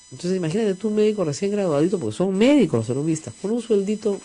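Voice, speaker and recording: An animated tone over noticeable background noise. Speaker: radio host. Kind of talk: radio interview.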